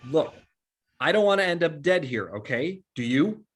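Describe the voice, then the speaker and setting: A man's voice: fairly high pitch, animated, moderate pace. An actor playing an anxious, earnest teenage boy, plain-spoken and urgent, in a horror comedy script read.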